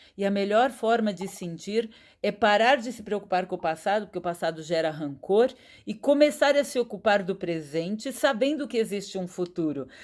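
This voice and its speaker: On a very clean recording with a silent background, a woman with a normal speaking voice and medium pitch talks at a moderate pace, her intonation lively and her loudness swinging widely. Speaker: astrologer. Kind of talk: live stream talk. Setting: live stream.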